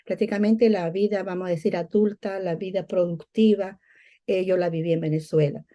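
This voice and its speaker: A woman's voice: on the low side, steady tone, moderate pace, dark tone. A middle-aged woman from Peru giving a personal religious testimony conversationally, often repeating herself as she searches for words.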